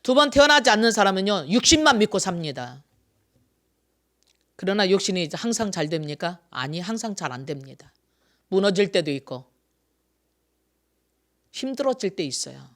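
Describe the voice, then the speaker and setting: Here a pastor in their sixties preaches on Sunday at a moderate pace with frequent pauses, using a medium pitch and lively intonation. Rhetorical questions and repeated phrases build to loud emphasis, then fall away into hushed asides.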